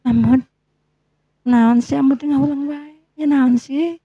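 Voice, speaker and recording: Coy, insistent young woman in love played by an actress, Sundanese accent, high-pitched, very dark soft tone, muffled sound. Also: steady tone, slow, no echo. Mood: pouting. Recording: muffled, lo-fi recording.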